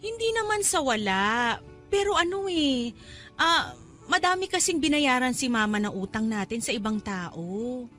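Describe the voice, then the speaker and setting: A high-pitched Filipino mother in a radio drama. She is struggling and evasive, coaxing her child in hesitant phrases over soft background music. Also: animated, unhurried. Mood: coaxing, uneasy. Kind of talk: Tagalog radio drama acting.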